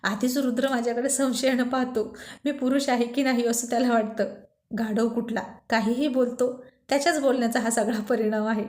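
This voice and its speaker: A woman's voice: fairly high pitch, darkish tone, echoey room, lightly acted. A woman voicing a nervous, flustered young man who stammers and second-guesses himself in a storybook. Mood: anxious. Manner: stammering, self-doubting.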